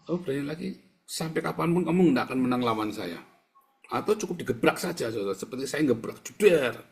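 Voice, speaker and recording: A man's voice: mid-range voice, expressive, quick pace, vocal fry. A man preaching a fiery sermon, addressing listeners directly and bluntly. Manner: forceful preaching, keeps addressing listeners as brothers. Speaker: pastor.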